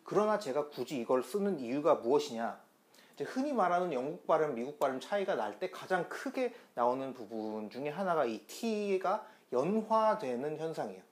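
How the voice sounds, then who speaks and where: A man's voice: on the high side, sing-song, moderate pace. A man giving an online pronunciation lesson, explaining step by step and repeating demonstration sounds in a chatty teaching tone.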